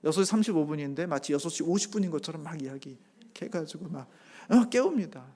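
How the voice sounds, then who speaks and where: A middle-aged male pastor giving a sermon, swelling loud on key phrases and then dropping soft, with homely family stories along the way. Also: a little high, animated, fast. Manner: tells a homely family story with acted-out quotes.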